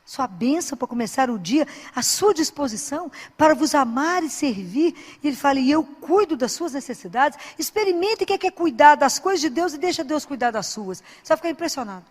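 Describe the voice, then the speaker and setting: A woman's voice: high voice, expressive, fairly quick, few pauses, long reverb tail. A woman who is a Christian speaker and doctor, giving an informal sermon full of anecdotes in an earnest, exhorting, conversational way.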